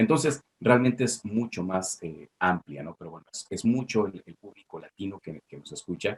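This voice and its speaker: The speech has lively intonation and a dry, close sound with no echo. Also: man. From Mexico. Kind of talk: interview answer.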